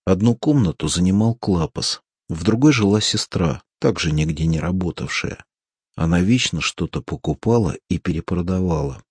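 A man doing scripted audiobook narration in a steady, measured storytelling manner. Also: low-pitched, breathy edge, dry recording.

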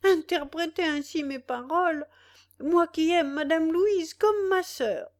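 A woman's voice: high-pitched, expressive, measured pace. A woman doing a spoiled, wheedling young woman. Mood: tearful. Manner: wheedling yet commanding. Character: sly, spoiled young woman, petulant and coaxing.

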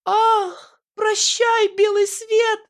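A male reader voicing a young peasant woman in a village stage melodrama, shrill, sing-song and theatrically lamenting. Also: level tone, drawn-out words, heavily acted. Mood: melodramatic despair.

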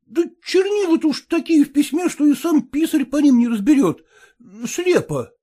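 A man's voice: very high-pitched, lively intonation, normal speed, warm tone, voice pushed up. A man voicing a drowsy, hungover young peasant who drawls lazily and yawns between words. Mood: reading haltingly.

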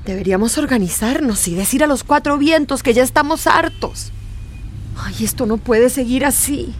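A woman's voice: high-pitched, lively intonation, normal speed. A woman playing a fussy, complaining village woman who sighs and exclaims constantly, in a radio drama. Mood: indignant. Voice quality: exasperated sighing, frequent "ay".

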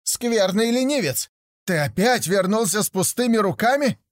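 A man's voice: high-pitched, expressive, normal speed, dry recording, clean studio sound, voice pushed up. A man voicing a poor mother who scolds her son sharply and impatiently. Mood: scolding.

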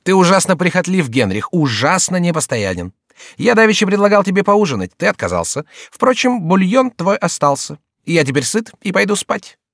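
A man voicing a cheeky, gluttonous male court jester with a high, teasing voice in an audiobook. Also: big pitch swings, normal speed, fairly bright tone, dry recording, studio quality, exaggerated voice. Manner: cheeky, teasing, shrill outbursts. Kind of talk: audiobook character voice.

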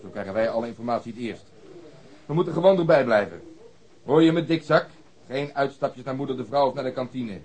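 An actor playing a bossy, sarcastic police detective in a radio play, blunt and coarse in manner. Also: male voice, mid-range voice, expressive, fairly quick, a little mellow, breathy edge. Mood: irritated, commanding.

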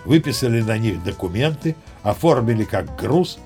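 A man's voice: lowish voice, big pitch swings, moderate pace, mellow, faint music behind. An actor playing a boastful old sea captain who narrates his tall tales with chatty, old-fashioned courtesy. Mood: storytelling. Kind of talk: audio play narration.

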